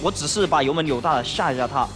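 A man's voice: on the high side, animated, fast, over music. A man guest on a TV relationship show, defending himself with restarts and stammers. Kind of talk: defensive argument. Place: TV studio stage.

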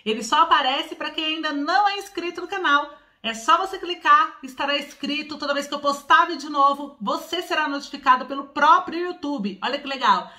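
A São Paulo woman in her forties hosts a news vlog from a small room at home, talking straight to camera in Paulista Portuguese with a rolled R. Her voice sits high and bright with a forceful tone, moving a little fast with hardly any pauses as she draws out key words for emphasis.

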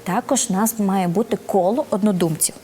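A woman giving practical advice as an interview guest, often checking in with a quick "right?". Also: medium pitch, a little hiss or hum. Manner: lively advice-giving with frequent "да?" check-ins.

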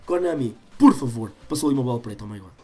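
A man in his twenties with a European Portuguese accent and a slightly stuffy nose, doing excitable gaming commentary for his viewers. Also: medium pitch, rapid-fire. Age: 20s. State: slightly congested from a cold. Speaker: gaming YouTuber. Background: game music.

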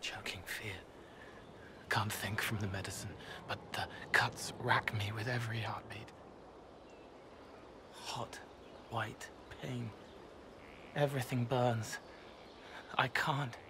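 A gentle young spirit for a fantasy video game. He speaks extremely slowly in broken, dreamlike phrases, haunted and eerily empathic, with clear ambient noise around him. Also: medium pitch, steady tone. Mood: anguished trance. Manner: halting, fragmented, dreamlike phrases.

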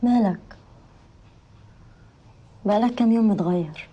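An actress playing a tender, anxious wife in a screen drama, speaking softly with an Egyptian accent. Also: female voice, medium pitch, unhurried, lightly acted. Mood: concerned. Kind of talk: naturalistic screen drama acting. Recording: dull muffled sound, faint music.

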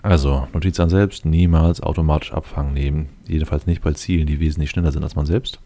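A man's voice: rumbling low, fairly even intonation, brisk, dark tone. A man giving casual, improvised game commentary, thinking aloud and muttering to himself in a matter-of-fact way. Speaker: let's play video host.

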